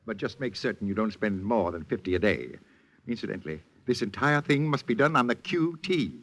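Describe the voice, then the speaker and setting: An actor playing a pompous, grandiose movie studio boss in a 1940s radio drama, talking in lofty words. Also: male voice, on the low side, expressive, brisk, fairly bright tone. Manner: grandiose, lofty vocabulary, theatrical. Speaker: studio head.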